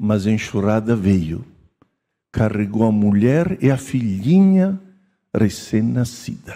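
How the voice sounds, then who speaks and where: The voice has a dark, mellow tone and very even loudness, against a quiet background. It moves at a very slow pace with long, frequent pauses. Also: man, medium pitch for a man. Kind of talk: homily in church. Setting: church. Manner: folksy, conversational preaching full of rhetorical questions to the congregation; emotional storytelling, moved while recounting a flood victim's faith. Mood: emotional storytelling. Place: church. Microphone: handheld.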